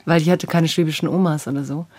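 A woman's voice: deep voice, steady tone, quick pace, a little mellow, husky. A woman from Swabia with a slight Swabian accent, chatting casually and musing aloud as host. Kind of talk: casual conversation.

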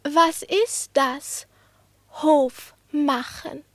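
Very high, coy little lapdog. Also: female voice, drawn-out words, fairly bright tone, no room sound, full character voice. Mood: coy, curious. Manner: coy, girlish, wide-eyed. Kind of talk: theatrical German radio play acting.

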